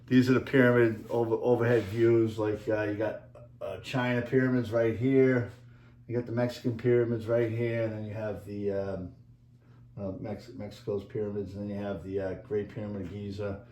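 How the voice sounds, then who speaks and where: A man with a Boston accent rambling through a casual monologue, halting often with fillers as he talks over slides. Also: fairly low pitch, flat delivery, darkish tone, roomy sound. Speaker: video creator and author.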